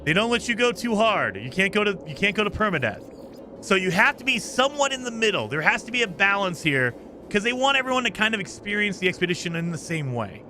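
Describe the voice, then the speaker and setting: A fast-talking man with a high, sing-song, bright and forceful voice runs a casual live game stream. He's chatty and upbeat, thanking viewers individually by name and going over the rules, his voice a little scratchy after days of streaming.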